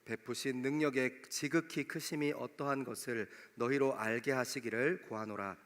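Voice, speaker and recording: A man's voice: medium pitch, steady tone, moderate pace, a bit bright. A young male pastor with a regional Korean dialect, preaching a sermon in a conversational way to a youth congregation. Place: church sanctuary. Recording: long hall reverb.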